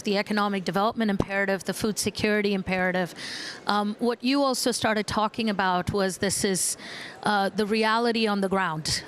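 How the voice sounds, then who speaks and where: A woman moderating a panel discussion in a structured, formal way, pausing between phrases. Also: mid-range voice. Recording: live panel with slight noise.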